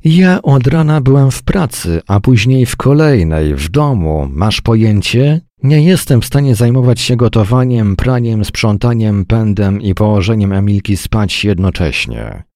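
A man's voice: deep voice, big pitch swings, unhurried, creaky, hardly any pauses, a little mellow, no echo, studio quality, full character voice. A man voicing an overworked young wife and mother, heated and reproachful. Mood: exasperated.

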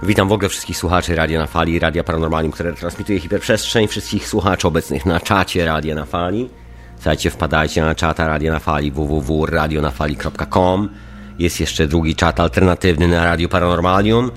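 A man's voice: low voice, steady tone, brisk, soft background music. A man with a head cold and a stuffy, runny-nosed voice, hosting a live radio show in a casual, chatty way and repeating himself. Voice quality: stuffy, nasal voice from a runny nose. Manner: chatty, repeats phrases for emphasis. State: congested with a head cold, sniffling.

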